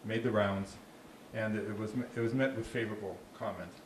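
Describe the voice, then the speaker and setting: A man's voice: fairly low pitch, fairly even intonation, fairly quick. A man with a Boston accent, a park ranger giving an informal talk into a handheld mic in a small room, chatty with frequent restarts and dry jokes. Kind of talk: informal talk with audience questions. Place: small dark meeting room with slide screen. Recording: echoey room with faint noise.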